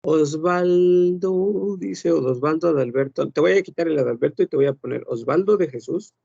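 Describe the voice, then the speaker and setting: A man with a slightly higher, gravelly voice teaches a French class, explaining step by step and correcting himself as he goes. He asks his students rhetorical questions. The sound is dry and a little dull, like a basic computer microphone. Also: a little fast, warm tone, dry recording. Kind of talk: online language class.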